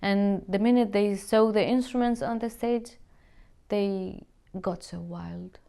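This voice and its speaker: Earnest woman, smooth voice. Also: medium pitch, steady tone, slow, dark tone. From Syria. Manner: earnest, searching for words in a second language. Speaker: musician. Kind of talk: interview answers to camera.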